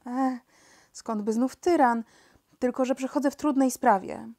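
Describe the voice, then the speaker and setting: A woman's voice: sits high, a little slow, warm tone, pitched above the performer's own voice. A woman playing a timid old court doctor. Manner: timid, hesitant.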